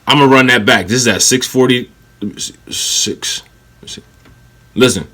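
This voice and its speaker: A man's voice: mid-range voice, unhurried, pushed and bright. A man hosting a reaction video, cutting into a clip with blunt, profane and sarcastic commentary.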